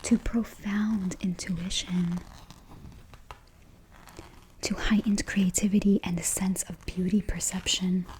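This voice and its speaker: Hushed, whispering woman in soft mellow ASMR. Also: medium pitch, flat delivery, slight background noise, poor audio. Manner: gentle, deliberate, reassuring affirmations.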